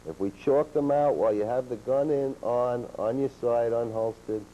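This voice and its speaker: A man calmly explaining police techniques on a training video, in a steady, matter-of-fact way, heard from an old VHS tape. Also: medium pitch, moderate pace. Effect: old VHS tape sound. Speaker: law enforcement instructor. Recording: dull worn VHS tape with faint hiss.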